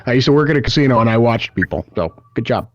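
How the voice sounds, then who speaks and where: American co-host, mid-pitched, enthusiastic, dull lo-fi dry mic. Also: male voice, animated, rapid-fire, no echo. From United States. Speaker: podcast co-host. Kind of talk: casual interview chat.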